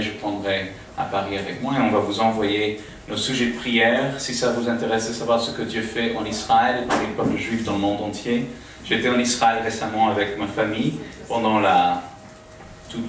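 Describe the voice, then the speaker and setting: A guest speaker from the United States gives an informal talk to a small congregation in a living room home church. His low voice sounds hesitant, with many fillers and restarts. He uses a small PA, and a distant camera captures him in an echoey room with audible noise.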